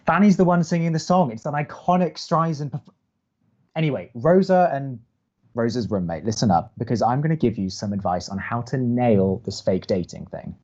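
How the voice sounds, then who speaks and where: A man acting as a young college radio co-host, dry, skeptical and sarcastic, with halting delivery in an audio drama. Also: mid-range voice, animated, a little mellow, lo-fi sound. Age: young adult. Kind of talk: naturalistic audio drama banter.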